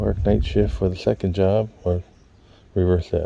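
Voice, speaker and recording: This man's voice is very deep and low, with a dark, mellow tone and vocal fry. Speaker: vlogger filming cats. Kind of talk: casual vlog narration to pets. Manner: relaxed, coaxing.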